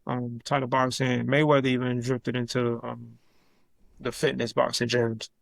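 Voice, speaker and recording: A man's voice: mid-range voice, completely flat delivery, moderate pace, creaky, no room sound. A man who is a professional boxer, speaking as a guest on a podcast in a laid-back, plain-spoken way with casual slang. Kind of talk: casual interview answers.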